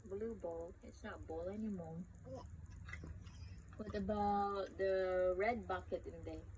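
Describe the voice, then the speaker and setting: A young mother at home, talking patiently to her toddler in a slow, encouraging, sing-song way. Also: mid-range voice, steady tone, background noise. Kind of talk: child-directed talk with a toddler.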